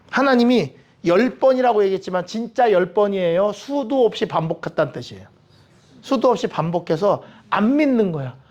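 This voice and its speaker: A man's voice: sits high, muffled recording. A man teaching a Bible study with humor, asking the audience questions and acting out the people he quotes. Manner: lively, humorous, acts out quoted voices.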